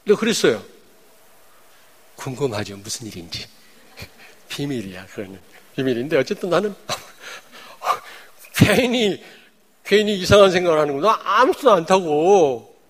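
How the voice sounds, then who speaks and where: A male pastor preaching with a lively, rising and falling pitch. He turns from ringing declarations to quiet, confiding asides, and keeps asking his congregation questions. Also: a little slow, pauses often, husky. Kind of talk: sermon.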